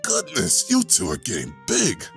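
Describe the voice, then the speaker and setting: A gentle werewolf father, acted by a man, with a gravelly voice that moves widely up and down. He speaks with tender, polite care, like a doctor in an audio drama. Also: a little high, wildly swooping pitch, moderate pace, faint music behind, heavily acted. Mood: fatherly. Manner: tender, polite, soft-spoken storyteller.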